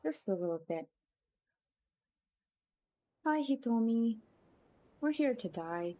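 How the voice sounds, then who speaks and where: Slow-talking, higher-voiced woman streamer. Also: lively intonation, dark tone, slight background noise. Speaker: livestreamer. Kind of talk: casual live game commentary and viewer chat.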